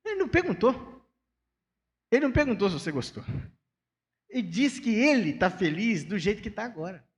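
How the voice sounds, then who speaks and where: High-voiced Brazilian pastor preaching. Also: male voice, expressive, fairly quick, in a large hall. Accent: Brazilian Portuguese. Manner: conversational preaching, acting out everyday dialogues. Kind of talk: sermon. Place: church sanctuary.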